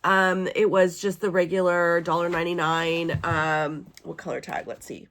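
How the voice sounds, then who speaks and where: A woman in her thirties with a hoarse, raspy voice, chatting casually as a vlogger showing a thrift haul. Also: lowish voice, level tone, normal speed, fairly bright tone. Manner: chatty, with fillers and small laughs. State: hoarse from illness. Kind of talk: casual chat.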